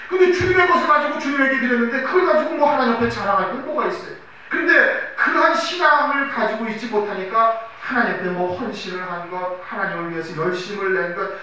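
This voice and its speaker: A male pastor preaching with a strikingly high, bright voice, reading verses and then pressing his points home with emphatic bursts. He is recorded from well back in a church sanctuary, with a very reverberant room, and faint background noise in the recording. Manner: earnest preaching, rising to emphatic outbursts; reads scripture verses aloud, then explains them. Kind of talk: sermon. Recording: very echoey church hall, mic far off.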